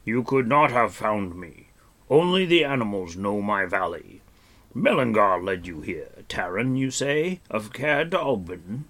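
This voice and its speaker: A man voicing a huge, white-bearded old hermit who is stern but kindly and talks in a slow, musing, absent-minded way. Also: lowish voice, expressive, a bit bright, heavily acted. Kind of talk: audiobook character voice.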